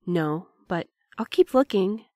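A woman playing a thoughtful, dreamy young courier who speaks softly and muses philosophically. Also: lowish voice, animated, slow pace, dry recording, clean studio sound. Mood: musing. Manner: soft, musing, philosophical.

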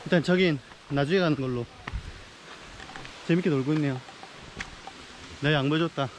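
A young man talks to a camera held at arm's length, casual and upbeat, his voice sitting a little high for a man. He records outdoors by a river, and a faint hum of outdoor ambience sits behind him. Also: moderate pace, rough recording. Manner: chatty, upbeat, gets excited outdoors. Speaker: travel vlogger. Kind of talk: casual travel vlog. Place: outdoors by a river and a jungle waterfall.

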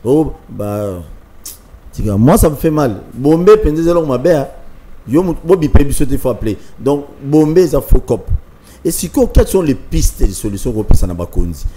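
Mellow middle-aged Congolese host. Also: male voice, mid-range voice, lively intonation, moderate pace, slight background noise. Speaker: talk show host. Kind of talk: TV talk show hosting. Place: TV studio.

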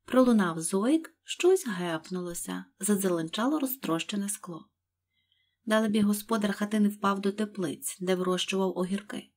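A woman narrating a fairy-tale audiobook in calm, soft storytelling. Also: medium pitch, normal speed.

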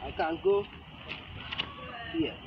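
In a large open concrete arena with stepped stands, a man in his thirties runs a hands-on self-defense lesson, giving instructions in short, halting, repeated phrases. The audio comes from a camera a few metres off and is muffled, with loud outdoor noise all around.

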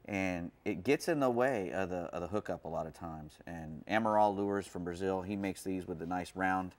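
A man's voice: low voice, moderate pace, darkish tone. A man presenting fishing gear in casual show chat, rambling with many restarts.

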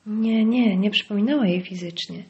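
A woman's voice: mid-range voice, moderate pace, darkish tone, lo-fi sound, close to an everyday voice. A woman doing a spiteful, bitter male doctor. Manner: sneering, spiteful, with hissed whispers. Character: bitter, venomous middle-aged male village doctor. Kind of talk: audiobook character voice.

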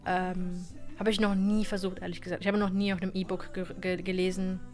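A woman in her twenties streaming from her gaming room into a boom-arm studio mic, chatting casually and animatedly with viewers, often stumbling and repeating words. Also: level tone, brisk, darkish tone, soft background music. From Germany. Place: gaming room with colored wall lights.

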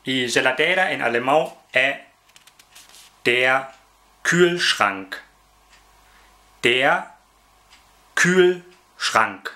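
A man teaching vocabulary in a slow, repetitive lesson, carefully pronouncing each word several times. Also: medium pitch, animated, bright, forceful tone. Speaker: German language teacher.

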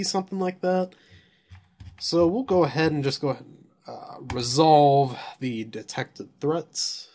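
Slow-talking, slightly hoarse man. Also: fairly high pitch, a little mellow. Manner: off-the-cuff, thinks aloud, swears when surprised. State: slightly hoarse, losing his voice. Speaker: software reviewer. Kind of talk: casual screen-recorded software review.

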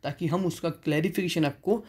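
A man's voice: on the high side, brisk, a little mellow. A man hosting a stock market channel, giving a voice-over analysis of share figures and mixing English terms into Hindi, at times correcting himself mid-sentence.

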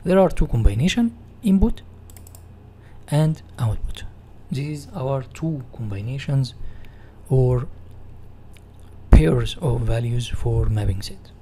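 A man with an Egyptian Arabic accent teaches in a mellow, mid-pitched voice. He reads out material and rephrases it in non-native English, like a software tutorial. There is faint noise on the recording. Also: lively intonation, slow. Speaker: instructor. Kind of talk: software tutorial reading slides and explaining.

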